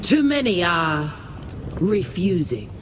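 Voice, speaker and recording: Reverent tribal herald, male, formal, slow but melodic, fantasy game. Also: high-pitched, sing-song, noisy background, full character voice. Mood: grave. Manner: formal, ceremonial, measured.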